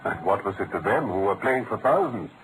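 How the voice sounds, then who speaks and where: An actor playing a brilliant, world-weary British gentleman detective in an articulate, theatrical old-time radio drama style. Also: on the low side, sing-song, fairly quick, a little hiss or hum, rough recording. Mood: self-satisfied, explaining. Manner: articulate, theatrical, explanatory delivery.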